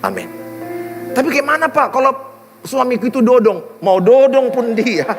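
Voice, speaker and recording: Animated pastor preaching. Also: male voice, very high voice, moderate pace, in a large hall, soft background music. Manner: animated, humorous storytelling. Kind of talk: sermon. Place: large church hall.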